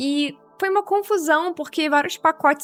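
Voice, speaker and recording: With music in the background, a woman in a Rio de Janeiro accent speaks at a moderate pace in a raised, projected voice with ordinary pitch variation. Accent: Rio de Janeiro (carioca), strong hissing S. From Rio de Janeiro state, Brazil. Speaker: YouTuber, vlogger. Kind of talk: casual monthly favorites vlog. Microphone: broken microphone, using substitute.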